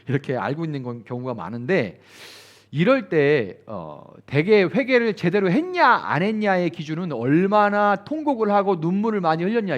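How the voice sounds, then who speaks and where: Male pastor, sermon, high voice, very lively pitch, acts out quoted voices. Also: muffled recording. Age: adult, grew up attending church retreats. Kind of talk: sermon at a midweek prayer service.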